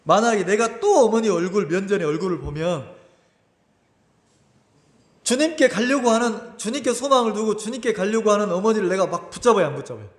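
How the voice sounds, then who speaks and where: A man's voice: sits high, lively intonation, a little fast, echoey room, long reverb tail. A middle-aged male pastor giving a sermon, telling a personal story with emotion and acting out the voices of his mother and himself. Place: church sanctuary.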